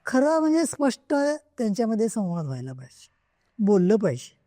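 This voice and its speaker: A woman's voice: mid-range voice, very animated, brisk, mellow, dry recording, clean studio sound. A middle-aged woman author answering interview questions, earnest and emphatic, often repeating her points for stress. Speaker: guest author. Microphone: podcast microphone.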